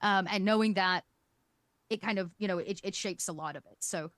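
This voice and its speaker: A woman's voice: mid-range voice, brisk, a bit bright, no room sound, clean studio sound. Woman chatting informally as a guest. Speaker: guest, game master and content production manager. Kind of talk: casual interview chat.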